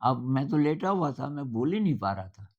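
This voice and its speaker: Older man giving a relaxed spoken talk. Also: mid-range voice, highs cut off. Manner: conversational and anecdotal, with thoughtful pauses. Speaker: speaker giving a talk on simplicity.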